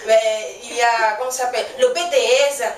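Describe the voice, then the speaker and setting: High-voiced Venezuelan woman doing stand-up. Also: level tone, fast talker. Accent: Venezuelan Spanish. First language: Spanish. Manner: chatty, self-mocking, laughs at her own jokes. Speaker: stand-up comedian. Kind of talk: one-woman stand-up show. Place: stage in a small venue with a live audience. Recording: echoey room from far off, noisy.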